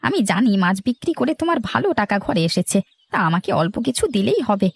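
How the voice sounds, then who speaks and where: A woman voicing an agitated, secretive village gentleman who pleads in a cartoon story. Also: medium pitch, very animated, fast talker, gravelly, slightly rough, no room sound, heavily acted. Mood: pleading, urgent. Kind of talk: Bengali cartoon story dialogue. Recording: faint music behind.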